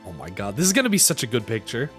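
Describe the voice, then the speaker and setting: Excitable let's-play streamer, very animated pitch, mid register, game music underneath. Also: very fast. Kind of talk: video game let's play, reading dialogue aloud and reacting.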